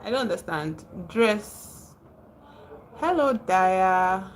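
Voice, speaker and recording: A woman's voice: medium pitch, animated, drawn-out words, slight background noise. Chatty Nigerian woman livestreaming. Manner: chatty, laughs often, answers viewers directly. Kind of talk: casual livestream chat reading comments.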